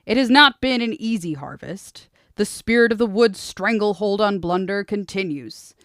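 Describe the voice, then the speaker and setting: A woman voicing a brutal, broad-shouldered young male high prince who makes loud proclamations. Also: animated, moderate pace, no echo, studio quality. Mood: proclaiming.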